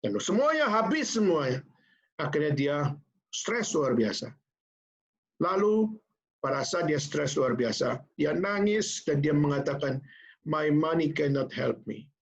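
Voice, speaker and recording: Man preaching with a raised, animated voice. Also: on the high side, measured pace, creaky, poor audio. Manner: animated storyteller addressing the congregation directly. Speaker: pastor. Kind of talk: sermon storytelling.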